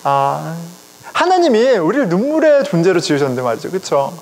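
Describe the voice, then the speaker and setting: A middle-aged man, a pastor, preaching a sermon in a conversational, animated way, speaking directly to his congregation. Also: high-pitched, moderate pace. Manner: conversational, animated, chuckles often, addresses congregation. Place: church sanctuary. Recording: long reverb of a church hall.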